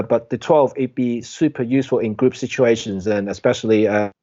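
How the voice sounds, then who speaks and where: A man's voice: medium pitch, darkish tone. Rambling man on a dull lo-fi stream. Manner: rambling with many fillers and restarts. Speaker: guest photographer. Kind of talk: casual live-stream chat.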